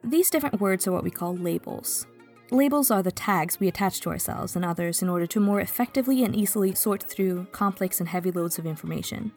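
A woman from Stockholm whose first language is Swedish, narrating a podcast in a measured, reflective way. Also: fairly low pitch, animated, darkish tone, soft background music. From Sweden, Stockholm. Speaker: podcast host. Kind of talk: scripted narration.

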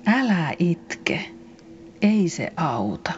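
A woman's voice: lowish voice, sing-song, highs cut off, slight background noise. A woman playing a sorrowful follower of Jesus, consoling and often whispering.

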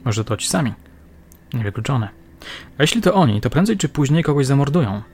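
A man voicing a gruff, blunt, talkative male police sergeant in an audiobook. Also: mid-range voice, very animated, fairly quick, darkish tone, slight background noise, voice pushed up. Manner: blunt, slangy.

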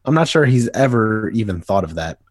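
A man's voice: fairly low pitch, sing-song, a little fast, no echo. A man voicing a wry young adult male hero in a dramatic comic reading, with teasing, dry banter.

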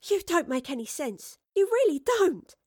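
A woman's voice: sits high, sing-song, moderate pace, no room sound, clean studio sound, voice pushed up. A woman playing a young, blunt and inquisitive Elizabethan woman, in an audiobook story. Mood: defiant, suspicious. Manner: blunt, colloquial, challenging. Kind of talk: acted audiobook dialogue.

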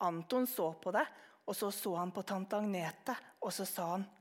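A woman narrating a children's story in a calm, even manner. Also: medium pitch.

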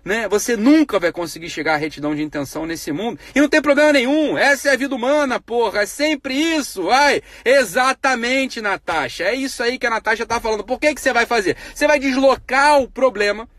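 A man's voice: very high-pitched, fairly quick, few pauses, a bit bright, no room sound. A man hosting a live stream, giving a blunt, profane monologue on ethics full of rhetorical questions. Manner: grows heated and emphatic.

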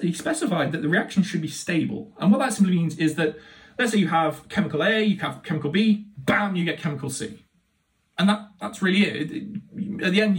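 A male lecturer with a slightly high-pitched voice gives an explanatory academic talk. He is enthusiastic and conversational, leaning on key words for emphasis. The voice sits a little away from the microphone. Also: distant mic. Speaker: university lecturer.

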